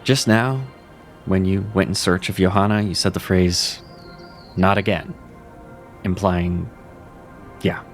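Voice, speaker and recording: A man playing Seraphin, a black and white male cat who leads and mentors, calm, reassuring and quick to blame himself. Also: deep voice. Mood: steady. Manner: steady, reassuring, self-critical. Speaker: voice actor. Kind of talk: audio drama acting. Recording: music underneath.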